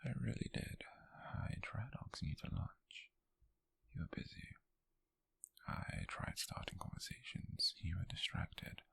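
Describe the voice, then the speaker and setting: A British man in an ASMR roleplay, playing an obsessive, possessive lovesick co-worker in a breathy, gravelly whisper, slow and intimate, close to the microphone. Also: deep voice, huge pitch swings, bright, forceful tone, no echo, exaggerated voice. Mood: wounded, resentful. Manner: slow, intimate, brooding, with heavy pauses. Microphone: close-up, dry microphone.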